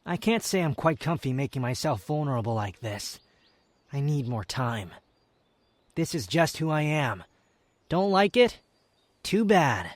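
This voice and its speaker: A man's voice: a little high, very animated, a little slow, long pauses, no echo. A man playing a proud, sardonic young wanderer, a guarded yet tender lover, in an intimate romantic ASMR roleplay with a teasing, haughty, dramatic delivery. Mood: haughty, playful.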